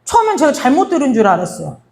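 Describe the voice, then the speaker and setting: Animated woman preaching a sermon. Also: high-pitched, very fast, vocal fry. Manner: storytelling with acted-out dialogue; direct address to the congregation. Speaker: pastor.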